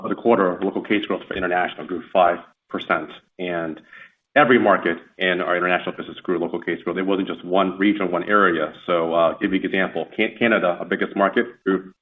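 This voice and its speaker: A male company executive adding figures to an answer on an earnings call, brisk and upbeat. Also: deep voice, steady tone. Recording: tinny phone line.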